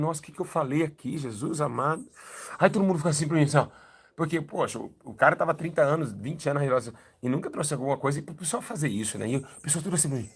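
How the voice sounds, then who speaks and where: A young Brazilian man, a pastor, giving a lively church testimony and acting out the dialogue as he tells it. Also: mid-range voice, creaky, husky. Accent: Brazilian Portuguese. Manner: animated storytelling, acting out dialogue.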